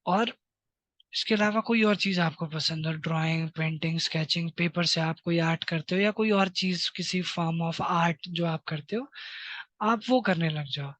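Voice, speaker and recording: Male teacher slowly dictating to children. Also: on the high side, fairly bright tone, dry recording. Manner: slow, dictating phrases for students to repeat. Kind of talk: classroom lesson to children.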